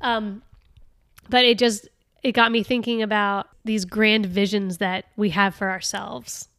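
A woman hosting a casual solo podcast, chatty and laughing often, reading passages aloud with lively expression. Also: medium pitch, a little slow, smooth, dry recording, clean studio sound. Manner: chatty, laughing often, with many fillers and restarts. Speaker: podcast host.

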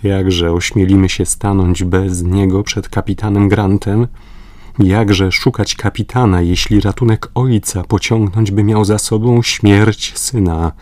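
A man reading an audiobook, voicing a grieving noble lord who pleads with his companions in a low, dry voice. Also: fairly even intonation, a little slow, a little mellow, no room sound, natural voice. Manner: pleading, emotional. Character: grieving noble lord, leader of a search party.

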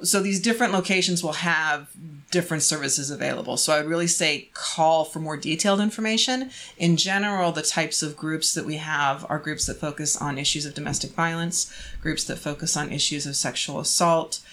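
A woman's voice: low-pitched, fairly quick, fairly bright tone. A woman speaking as an agency representative, explaining services in an interview.

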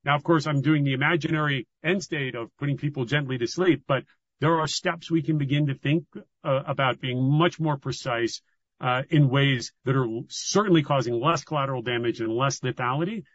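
Male executive on an earnings call, earnest and careful with his words, muffled low-fidelity audio with no room sound. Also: no room sound. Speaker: company executive. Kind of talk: earnings call remarks, explanatory. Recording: dull, dry conference-call audio.

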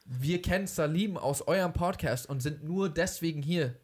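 A young man co-hosting a podcast, telling an anecdote in relaxed, easygoing chat. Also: on the high side, normal speed, breathy edge. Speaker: podcast co-host.

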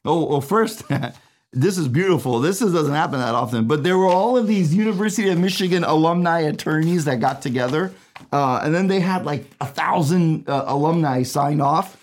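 Man, trial attorney, from Iraq; casual rambling legal explainer, voice a bit high. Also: moderate pace. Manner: chatty, many fillers and asides, laughs at own jokes.

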